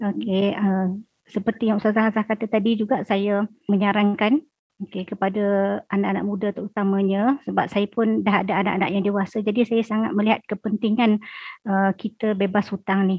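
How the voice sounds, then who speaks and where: With fairly even intonation, a woman of medium pitch talks at a moderate pace in a somewhat breathy voice. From Selangor, Malaysia. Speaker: schoolteacher and gold dealer. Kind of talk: podcast interview.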